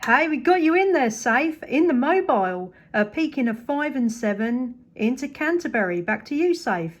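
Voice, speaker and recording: Female CB operator, high voice, casual and chatty radio contact from a home station. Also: big pitch swings, normal speed. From United Kingdom. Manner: upbeat, chatty, appreciative.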